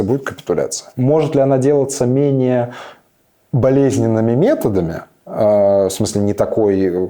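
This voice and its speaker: A man in his thirties answering interview questions reflectively, pausing and restarting often with many fillers. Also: on the low side, warm tone. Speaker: interview guest, serving soldier.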